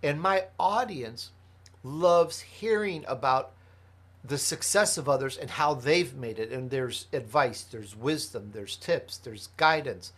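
A podcast host from Chicago, United States, answers interview questions earnestly and emphatically, building his points through lists. His voice is a little high and fairly bright.

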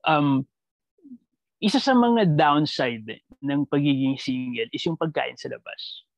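A Filipino man answering reflectively in conversational Taglish, mixing Tagalog and English, halting and repeating words as he thinks aloud with a creaky voice. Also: on the high side, expressive, no echo, muffled recording.

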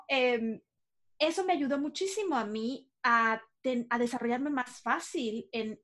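A woman hosting a casual interview, telling stories animatedly and laughing at herself. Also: a little high. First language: Spanish. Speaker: host.

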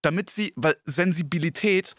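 A man's voice: a little high, moderate pace, fairly bright tone, no room sound, studio quality. A man, a comedian, talking in a casual podcast chat in crude slang and getting worked up as he rants. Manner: crude slangy rant, growing heated.

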